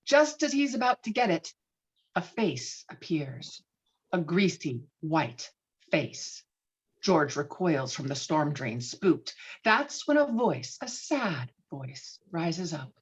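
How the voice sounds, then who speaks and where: A woman's voice: low-pitched, sing-song, slow pace, slightly rough. A woman reading screenplay stage directions as dramatic scripted narration. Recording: slightly dull, lo-fi microphone.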